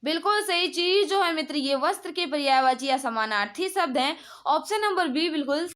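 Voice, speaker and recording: Female online exam-prep teacher, high voice; brisk quizmaster delivery with repetitive prompts. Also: animated, fairly bright tone. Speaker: online exam-prep teacher running a live quiz class. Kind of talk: live quiz lesson, reading questions and confirming answers.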